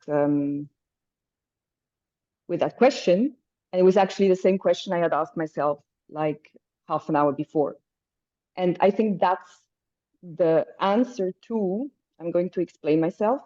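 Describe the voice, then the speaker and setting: German woman, non-native English, halting and searching for words, warm tone, muffled video call. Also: fairly low pitch. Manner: hesitant, searching for words, laughs lightly. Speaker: caller. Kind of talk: casual group video call.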